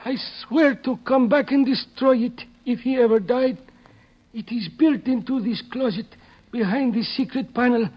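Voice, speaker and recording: An actor in a 1950s radio drama playing a frightened, servile foreign henchman who speaks deferential, halting broken English on an old recording. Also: very high-pitched, muffled recording. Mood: deferential, explaining.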